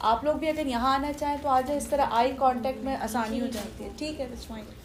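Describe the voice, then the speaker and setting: Noticeable background noise surrounds a woman's voice. She has a high pitch and fairly even intonation. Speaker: religious speaker. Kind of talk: informal religious talk to mothers. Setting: in-person gathering with audience. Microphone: no microphone, speaking unamplified.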